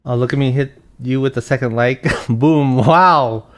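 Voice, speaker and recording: Live-streaming a game, a soft-spoken young man chats casually, reading messages aloud and thinking out loud. His voice is gentle, mid-range, and measured in pace.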